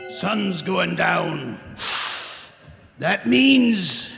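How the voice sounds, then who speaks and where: A man playing a slow-witted, plodding watch sergeant, ponderously stating the obvious in a live radio comedy. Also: high-pitched, big pitch swings, creaky, fairly bright tone, heavily acted. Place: live on stage in a large hall. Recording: reverberant hall, faint music behind.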